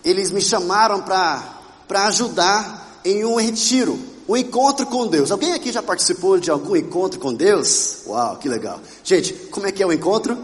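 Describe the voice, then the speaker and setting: A Brazilian man preaching to a congregation, telling his own story in a lively way and putting questions to the listeners. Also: sits high, moderate pace. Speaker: pastor. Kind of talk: sermon with personal testimony. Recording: reverberant church hall.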